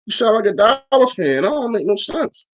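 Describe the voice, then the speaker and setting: A man's voice: high voice, very animated, moderate pace, dull audio. A man hosting a sports podcast, arguing his points emphatically in casual, slangy chat while answering his live audience.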